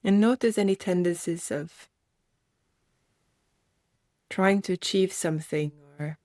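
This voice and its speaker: A woman leads a guided meditation in a slightly low voice. She phrases things as gentle invitations and leaves reflective pauses between them. The sound is very dry, with no room around it. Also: no echo.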